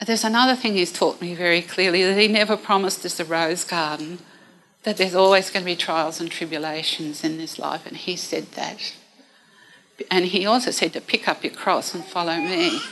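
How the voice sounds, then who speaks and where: With an Australian accent, a woman talks at a fairly quick pace in a fairly low voice with ordinary pitch variation. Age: 70s. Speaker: churchgoer giving testimony. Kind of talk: testimony. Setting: church.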